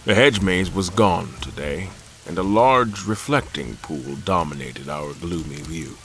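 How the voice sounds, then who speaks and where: A low male voice plays a world-weary admiral in an audio drama. He recounts a haunting ordeal with formal, measured courtesy over faint music. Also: animated, fairly bright tone, heavily acted, rough recording. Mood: somber. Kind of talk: first-person audio drama narration with dialogue.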